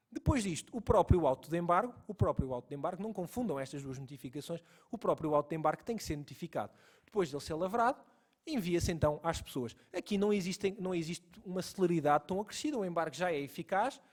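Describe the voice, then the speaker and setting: A man with a European Portuguese accent, a lecturer and lawyer giving a legal lecture, explaining step by step and repeating key points for emphasis. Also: a little high.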